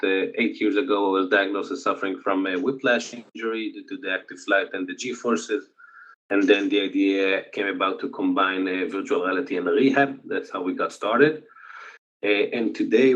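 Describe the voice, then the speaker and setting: A man with an Israeli accent giving a conference presentation remotely, speaking haltingly with many filler sounds. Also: on the low side, fairly bright tone. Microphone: video call. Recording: dull lo-fi video call audio.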